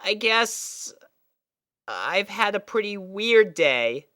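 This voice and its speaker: A woman's voice: medium pitch, sing-song, drawn-out words, fairly bright tone, big-room sound, pitched above the performer's own voice, exaggerated voice. A woman voicing an anxious, lovestruck young pony filly, speaking in an earnest, hesitant and emotional way. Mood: downcast.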